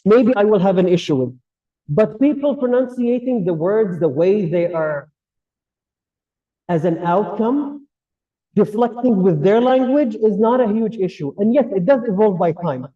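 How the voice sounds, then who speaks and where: A man's voice: sits high, expressive, normal speed. A man with a Kuwaiti Gulf Arabic accent, a native Arabic speaker, giving explanatory, semi-formal feedback as an evaluator at a speaking club. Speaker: general evaluator at a public speaking club meeting. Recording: distant mic, dull muffled sound.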